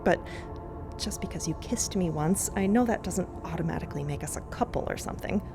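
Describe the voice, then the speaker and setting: A woman's voice: fairly low pitch, fairly quick, music in the background, natural voice. A woman playing a flustered, lovestruck young space explorer in an audio drama, hesitant and incredulous. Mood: nervous, flustered.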